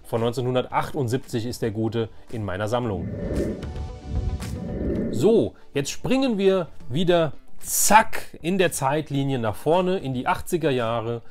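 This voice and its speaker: Chatty, enthusiastic man with mid-pitched voice. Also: lively intonation, a little slow, a little mellow, soft background music. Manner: chatty, enthusiastic, self-correcting. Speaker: host of a vintage toy collecting channel. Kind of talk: casual show-and-tell chat.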